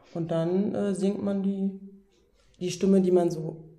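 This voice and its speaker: A woman is speaking. Room echo can be heard. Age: 30s. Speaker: singer and vocal teacher. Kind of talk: casual interview.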